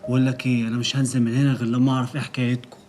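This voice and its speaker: An actor playing a rapid, insistent young man. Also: medium pitch, level tone, darkish tone, natural voice. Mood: demanding. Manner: insistent, confrontational. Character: young wounded man demanding the truth. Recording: TV drama with faint music.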